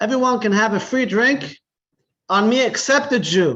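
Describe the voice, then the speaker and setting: A man talks over a quiet background. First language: not English (English is his third language). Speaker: rabbi teaching an adult education course. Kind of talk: lecture. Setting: class with live audience, also streamed on Zoom. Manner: halting, with frequent repetitions.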